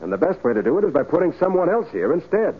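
An actor playing a shrewd, determined private detective, probing and assured, in 1940s radio style. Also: male voice, fairly high pitch, big pitch swings, fast, loud music behind the voice. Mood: reassuring, determined. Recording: noisy, tinny 1940s radio recording.

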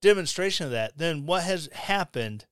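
A man's voice: a little high, expressive, normal speed, smooth, no room sound, clean studio sound. A man from Missouri hosting a podcast, delivering a blunt opinionated rant with sarcastic asides. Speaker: podcast host. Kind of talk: opinionated monologue.

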